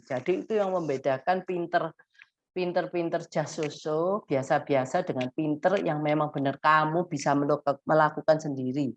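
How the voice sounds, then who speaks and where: A woman, an autism therapist giving a live-streamed lesson to parents, talking animatedly and mixing in English words. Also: a little hiss or hum. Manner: animated, acts out high exaggerated example phrases; mixes English words into her talk. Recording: dull lo-fi stream audio.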